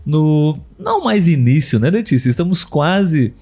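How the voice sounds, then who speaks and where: A man's voice: a little high, big pitch swings, measured pace, mellow. A Brazilian man hosting a casual live podcast for language learners, explaining things didactically and often restating with synonyms. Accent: Brazilian Portuguese. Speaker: podcast host.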